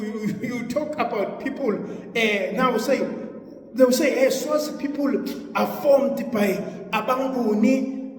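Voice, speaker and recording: An older man speaks with a very high voice, earnest and teacherly, circling back over his points and firing off rhetorical questions. The sound rings around a reverberant room with a long, hollow tail. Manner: earnest, repeats phrases for emphasis, rising rhetorical questions. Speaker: traditional spiritual teacher. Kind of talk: explanatory talk on ancestry and spirits.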